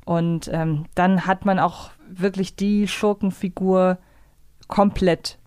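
A woman's voice: lowish voice, fairly even intonation, slow pace, darkish tone, clean tone, no room sound, studio quality. A woman co-hosting a podcast, discussing a story in a conversational, analytical way. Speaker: podcast co-host.

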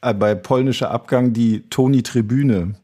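A man's voice: mid-range voice, moderate pace, mellow, a little hiss or hum. A man co-hosting a casual podcast, telling rambling anecdotes and laughing often. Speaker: podcast co-host.

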